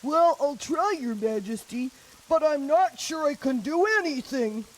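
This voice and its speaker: Woman doing a sick, slow-talking wizard. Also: high voice, lively intonation, rough recording. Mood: fretful. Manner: slow, apologetic, earnest. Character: sick, fretful male wizard, weary and polite. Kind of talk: puppet show acting.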